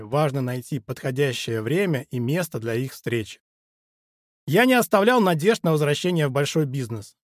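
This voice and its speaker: Brief: male author in his forties, reading his own book aloud, earnest and steady, voice a shade high, dry close sound. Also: dry recording. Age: 40s. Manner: measured, earnest, addresses listener directly. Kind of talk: audiobook narration.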